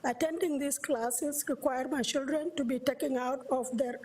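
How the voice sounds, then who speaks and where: A woman from South Sudan, a mother of four, reading a prepared letter aloud during public comment, haltingly and with restarts. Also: high voice, fairly even intonation, a little mellow. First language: a South Sudanese language. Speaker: parent speaking at public comment.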